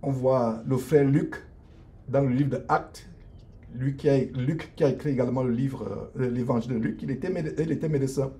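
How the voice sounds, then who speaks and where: Mellow-voiced middle-aged man, halting and earnest. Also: medium pitch. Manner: hesitant, many drawn-out fillers and restarts; earnest, preachy. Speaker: lawyer and online minister. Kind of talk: improvised live stream, answering viewers. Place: his law office at lunch break.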